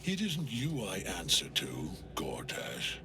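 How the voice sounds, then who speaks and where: An actor playing a grave, commanding old undying general in a dramatic video game. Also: male voice, low voice, wildly swooping pitch, slow, background noise, full character voice. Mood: stern, contemptuous. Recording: loud dramatic music behind.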